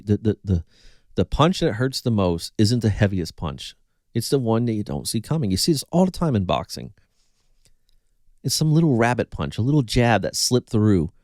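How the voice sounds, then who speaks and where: A man with a fairly low voice talks viewers through an analogy in the manner of a recovery coach. He tells it like a story, voicing people's reactions along the way. The sound is dry and close, with no room around it. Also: no echo. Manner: animated storytelling, acting out quoted reactions.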